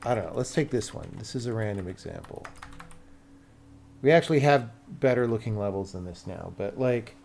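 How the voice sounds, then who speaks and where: A man's voice: fairly low pitch, animated, normal speed, vocal fry, a little mellow, slight background noise. An American man talking casually on a livestream as a game developer, blunt and sweary, thinking aloud as he explains things to viewers.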